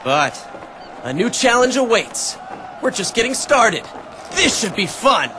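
A restless young warrior itching for a fight, cocky and eager. His voice is fairly high and unhurried, with a noisy crowd and clear background noise behind. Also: very animated, exaggerated voice. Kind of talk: video game cutscene.

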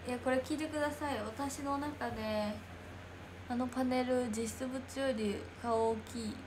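A woman's voice: high-pitched, steady tone, a little slow, noisy background. Giggly young woman chatting on stream. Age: young adult. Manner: giggly, playful, imitates friends' sneezes. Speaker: idol streamer. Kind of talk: casual livestream chat reading comments.

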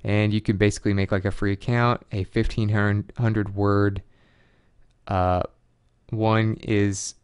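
A man's voice: fairly low pitch, darkish tone, clear, resonant tone, no room sound, clean studio sound. A man casually walking through websites on screen, talking loosely with fillers and reading out web addresses. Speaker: online money tutorial presenter. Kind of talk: casual screen-share walkthrough.

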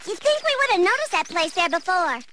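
A woman's voice: very high voice, big pitch swings, a little fast. A woman voicing a feisty, scrappy little cave girl in a cartoon. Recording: loud music behind.

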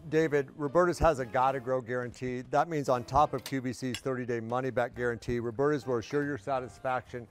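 A middle-aged man giving a live product demonstration and sales pitch as a guest expert on home shopping television. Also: fairly even intonation, a little fast, few pauses. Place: TV studio kitchen set.

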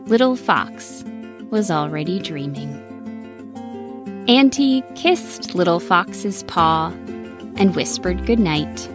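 A woman reads a bedtime story aloud in a gentle, expressive way. Her pitch rises and falls a lot, and she keeps an unhurried pace. Soft music plays underneath. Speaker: storybook narrator.

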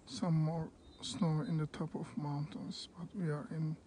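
A man with a Turkish accent, filming outdoors on a mountaintop and describing the view in short, halting phrases. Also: fairly high pitch, flat delivery, warm tone. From Turkey. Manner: pauses between short phrases. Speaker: travel vlogger. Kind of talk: slow, halting tour commentary in English. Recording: faint outdoor background noise.

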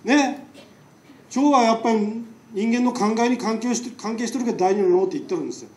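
In an echoing lecture hall, a doctor with an extremely high, slightly mellow voice talks fast in Nagasaki dialect. He gives a chatty public lecture, firing rhetorical questions at the audience, and the mic is positioned far from him.

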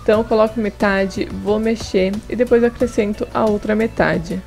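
A woman's voice: medium pitch, steady tone, moderate pace, gravelly, over music. A young woman hosting a home cooking video, chatting through each step and adding friendly tips in a voice-over. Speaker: cooking channel host. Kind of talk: casual recipe demonstration. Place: home kitchen table.

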